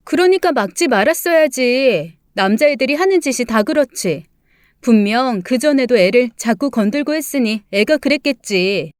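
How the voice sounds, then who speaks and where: Woman plays an indulgent young mother, high-pitched, indignant and defensive. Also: animated, normal speed, clean tone, dry recording, clean studio sound, natural voice. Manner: indignant, retorting. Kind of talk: story reading with acted dialogue.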